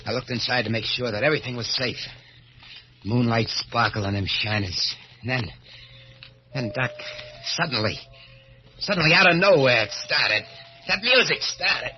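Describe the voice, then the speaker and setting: An actor playing a guilt-haunted gangster and jewel thief in an old radio thriller, with an American accent, streetwise slang and a frantic stammer. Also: male voice, mid-range voice, moderate pace, natural voice. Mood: tense recounting. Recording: muffled, noisy old radio recording.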